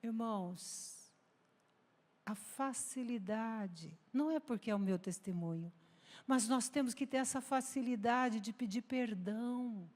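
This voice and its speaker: A woman pastor from Brazil preaching a sermon, telling a personal story quietly and then rising into fervent exhortation. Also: fairly high pitch, unhurried, big-room sound. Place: large church hall.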